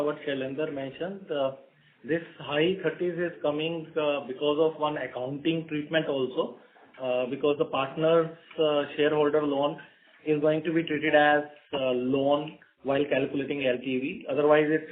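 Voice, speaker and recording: A man answering as a company executive on a conference call, explaining in a halting way. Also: a little high, steady tone. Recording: narrow tinny phone-line audio.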